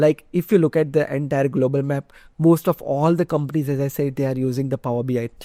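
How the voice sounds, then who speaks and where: A man with a Gujarati accent speaks very fast in a fairly high pitch, his dark, mellow tone and fairly even intonation set against a quiet background with a dry sound and no echo. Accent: Indian English (Gujarati). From India, Gujarat. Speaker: software tutorial instructor; software trainer. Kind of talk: tutorial; lecture. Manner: conversational, with filler words.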